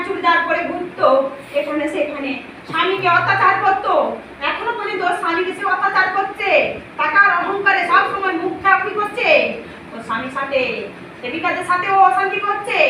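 A woman in a possession trance, speaking as the Mother goddess with commanding, wailing, drawn-out cries. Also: very high voice. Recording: echoey, distant, noisy room recording.

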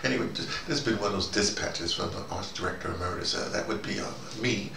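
A man giving a rambling, informal monologue as host, halting and digressive, often falling back on "you know". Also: low-pitched, gravelly. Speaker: host of a spoken dispatch series. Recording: roomy, noisy, distant microphone.

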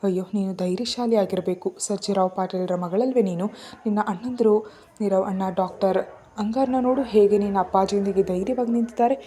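A woman voicing a spirited, outspoken young woman in a storybook reading, talking high and exclamatory. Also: steady tone, fairly quick, mellow, lightly acted. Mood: encouraging.

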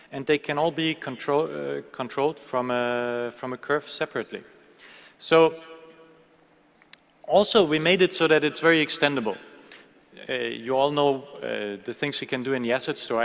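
A man in his thirties presenting a live software demo at a conference keynote, talking casually with many fillers and restarts from a podium mic. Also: medium pitch. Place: large conference hall stage. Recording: long hall reverb.

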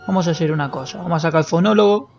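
A man's voice: a little high, rapid-fire, vocal fry, darkish tone, lo-fi sound, faint music behind. A young man with a Rioplatense Spanish accent, streaming a roleplay game in a brash, joking, swear-heavy manner. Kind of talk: casual gameplay roleplay stream.

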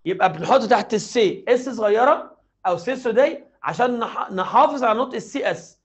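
Very high-voiced Egyptian man teaching. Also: a bit bright, lo-fi sound. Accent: Egyptian Arabic. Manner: drills conjugations aloud, repeating forms and checking in with the class. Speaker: French teacher. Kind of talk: exam review lesson.

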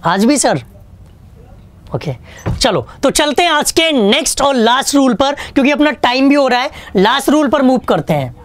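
A man's voice: extremely high pitch, very animated, normal speed, a bit bright. A man teaching an online exam-prep English lesson, chatty and joking, asking questions and answering them himself. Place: online class studio with a whiteboard.

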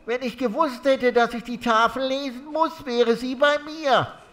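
Very high, fussy little creature. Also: female voice, steady tone, measured pace. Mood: fussy, complaining. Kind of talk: children's audio drama acting.

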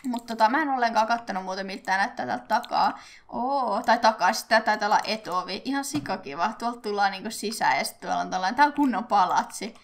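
A woman's voice: medium pitch, lively intonation. A young woman casually chatting her way through a Let's Play, giggling and talking to the characters on screen. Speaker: gaming YouTuber.

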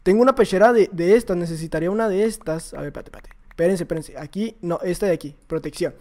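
Man, Mexican accent, high-pitched, excitable gameplay commentary, loud and jokey. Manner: excitable, shouting and joking at opponents; rapid repeated exclamations. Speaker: YouTuber playing a block-building game.

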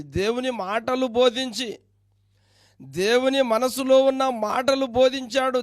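A man's voice: very high voice, clean tone, no echo, clean studio sound. A man preaching a sermon as pastor, pressing his listeners with pointed questions.

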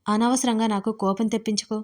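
Woman reading harsh commanding young husband for audio storybook, sharp scolding questions, fairly high voice. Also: fairly even intonation, a little fast, lightly acted. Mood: angry, demanding.

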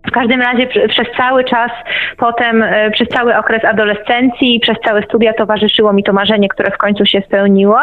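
A woman's voice: fairly high pitch, little pitch movement, fairly quick. Woman on a tinny phone line. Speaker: radio show guest. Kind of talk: conversational interview answers.

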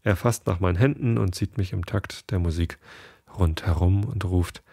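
A man hosting a podcast, reading a first-person story in a calm, measured way. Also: deep voice, vocal fry, breathy edge, no room sound, clean studio sound.

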